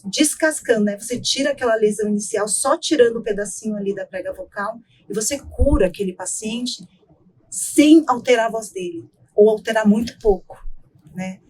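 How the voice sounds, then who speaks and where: A middle-aged woman, an ENT doctor, explaining voice care in an interview in a measured way, often ending with tag questions. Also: mid-range voice, darkish tone, breathy edge, rough recording. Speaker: ENT doctor, guest expert.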